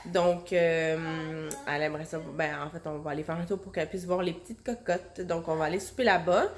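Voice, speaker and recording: A woman in her thirties with a Québécois French accent talks through her day in a relaxed vlog. Her voice sits a little low, and she keeps pausing with fillers and restarting her sentences. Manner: hesitant, many fillers and restarts. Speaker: vlogger, stay-at-home mom and entrepreneur. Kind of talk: casual vlog chat.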